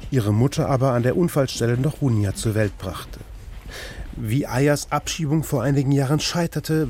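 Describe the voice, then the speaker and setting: A man reporting and narrating a scripted radio feature in a measured, even way. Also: medium pitch, slight background noise.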